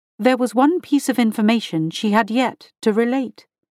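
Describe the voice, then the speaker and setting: On a very clean recording with a silent background and a dry, close sound with no echo, a woman with an unremarkable speaking voice and fairly high pitch talks at a moderate pace. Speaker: audiobook narrator. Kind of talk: dramatic narration of a gothic Regency-style horror tale. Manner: measured, arch storytelling with a relish for wicked detail; voices characters, shifting into breathless grief for the lady.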